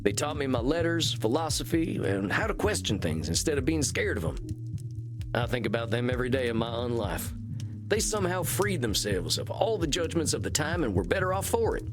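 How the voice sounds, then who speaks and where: A male actor as an earnest cowboy vampire, a reformed outlaw from a video game. He speaks in a folksy American Western drawl at a middling pitch, humble and self-effacing. Music plays clearly behind him. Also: big pitch swings, a little fast, close to an everyday voice. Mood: wistful, reflective. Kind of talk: video game character dialogue.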